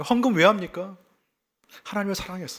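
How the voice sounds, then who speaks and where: This voice belongs to a man. Ordinary variation marks his pitch. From South Korea, Yangsan, South Gyeongsang. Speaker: pastor. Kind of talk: sermon.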